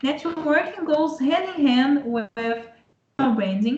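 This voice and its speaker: A woman speaks with a Portuguese accent. Her pitch varies in an ordinary way. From Brazil, São Paulo state. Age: 20s. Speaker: data scientist. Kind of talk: conference talk. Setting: online virtual event. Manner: halting, many fillers.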